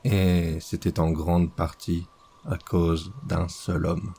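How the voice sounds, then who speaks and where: A man reading a horror story aloud as scripted narration, slow and measured. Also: deep voice, flat delivery, creaky, warm tone, breathy edge.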